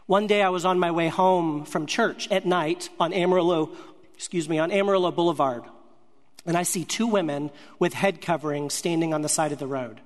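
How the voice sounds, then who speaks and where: A man with a notably high voice tells his story from the pulpit, earnest and measured, letting his thoughts come out in short, broken-up phrases. His words ring out with the long reverb of a large hall. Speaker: speaker sharing a ministry testimony. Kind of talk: storytelling sermon.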